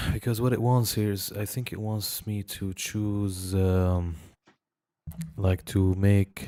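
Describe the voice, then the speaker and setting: A man with a very deep, low pitch speaks in a dark, mellow tone, the sound dry with no echo and the background quiet. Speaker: music producer live streamer. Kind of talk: live stream tutorial-style work commentary. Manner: slow, halting. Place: studio.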